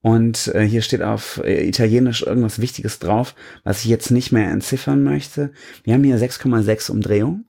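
A man's voice: mid-range voice, normal speed, creaky, dark tone, slightly rough. A man co-hosting a podcast, describing and tasting beer in a rambling, self-mocking way with lots of fillers. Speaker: podcast co-host. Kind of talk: casual beer-tasting chat.

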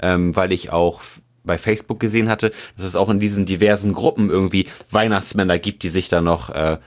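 Low-voiced man, hesitant and wry. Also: fairly even intonation, a little fast. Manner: hesitant, many fillers, wry. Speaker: podcast guest. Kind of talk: casual chat.

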